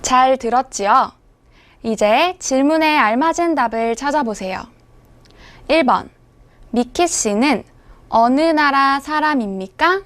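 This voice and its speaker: A woman language teacher giving scripted instructional narration, with clear, measured enunciation. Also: high-pitched, expressive, a bit bright.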